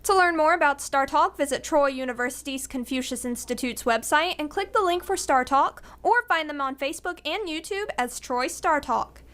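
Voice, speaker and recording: A woman student reporter reads a scripted news story in an even, measured way. Her voice is notably high. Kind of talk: news package narration.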